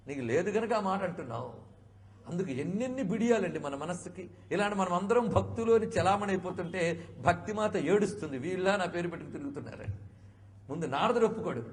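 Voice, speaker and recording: A man giving a devotional discourse, explaining patiently and asking many rhetorical questions, sometimes gently chiding his listeners. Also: high voice. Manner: chiding, conversational. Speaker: spiritual speaker.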